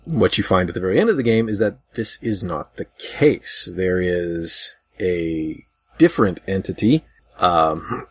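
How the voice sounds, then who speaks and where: A man with a somewhat low, husky voice talks casually on a podcast. He works through his point in a halting, digressive way, with wry asides to listeners. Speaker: podcast host discussing video games. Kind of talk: casual chat.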